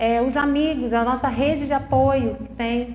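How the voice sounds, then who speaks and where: A woman speaks with a fairly high pitch and vocal fry. Audible room echo surrounds her voice. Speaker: church talk speaker on suicide prevention. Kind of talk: church lecture with audience questions.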